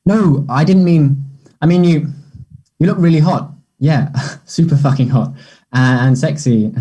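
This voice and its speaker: A man acting an awkward, nervous young gay man in a play table read, with hesitant, terse replies and a husky voice. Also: a little high, measured pace, warm tone. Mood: hesitant, flustered.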